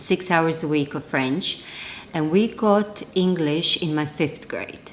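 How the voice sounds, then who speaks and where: Noticeable background noise sits behind a woman with a fairly low pitch who speaks at a very slow pace with ordinary pitch variation. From Serbia (Belgrade). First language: Serbian. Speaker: craft vlogger. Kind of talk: casual chat.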